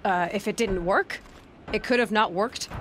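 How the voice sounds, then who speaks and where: An actress playing a young, capable tribal huntress in a video game, plain-spoken and questioning. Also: female voice, medium pitch, moderate pace, fairly bright tone, a little hiss or hum, close to an everyday voice. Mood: wry. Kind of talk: video game character acting. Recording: game music behind the voice.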